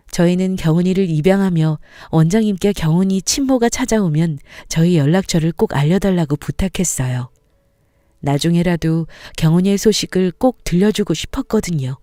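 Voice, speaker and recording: Calm woman narrating a story. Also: on the low side, normal speed, no echo, clean studio sound. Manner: calm, gentle reminiscing.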